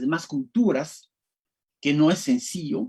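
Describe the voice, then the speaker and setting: A fairly high-pitched male voice with very wide pitch swings. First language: Arabic and French (speaking Spanish). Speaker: professor. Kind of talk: interview.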